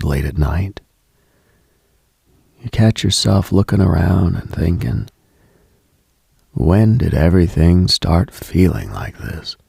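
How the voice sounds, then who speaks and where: A man hosting a late-night radio show, speaking in a hushed, intimate, contemplative monologue with long pauses and a husky, breathy edge. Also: low-pitched, dry recording, studio quality.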